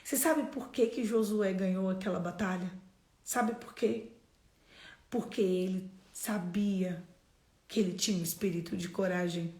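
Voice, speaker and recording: A woman's voice: medium pitch, steady tone, measured pace. Fervent Brazilian woman preaching, echoey room. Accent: Brazilian Portuguese. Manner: emphatic, exhortative, swings to loud bursts. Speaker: devotional preacher. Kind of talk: passionate devotional preaching.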